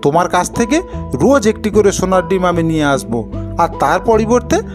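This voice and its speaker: Man playing a greedy, high-voiced, animated jeweler. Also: normal speed, over music. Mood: demanding. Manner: inquisitive, demanding. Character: greedy, scheming male jeweler.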